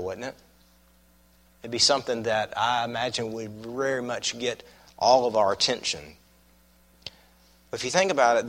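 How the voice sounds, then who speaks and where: Croaky with a cold, this Southern US man preaches an expository sermon to his flock, his medium-pitched voice bright and forceful. His pastoral delivery is folksy and measured, circling back on phrases to drive them home.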